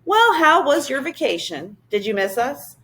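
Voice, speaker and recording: A middle-aged father, brisk and a little skeptical, talking in a plain matter-of-fact way, voiced by a woman reading aloud. The pitch jumps around lively.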